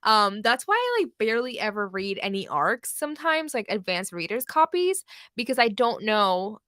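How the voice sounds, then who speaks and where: A woman's voice: a little high, big pitch swings, moderate pace, a bit bright, dry recording, studio quality. A young woman hosting a book livestream, chatting casually with lots of fillers and small laughs. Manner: chatty, lots of likes and ums, laughs often.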